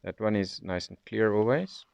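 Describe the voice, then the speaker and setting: A South African man giving an unscripted, explanatory product review and demonstration in a measured way. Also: lowish voice, gravelly. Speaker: radio reviewer.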